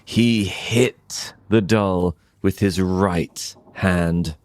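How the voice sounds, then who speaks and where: A British man narrates very slowly for English learners, in a fairly low voice. He speaks in simple, deliberate phrases with frequent pauses, and the recording is dry and close. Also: a little mellow, dry recording. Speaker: English teacher and storyteller. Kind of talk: slow storytelling for English learners.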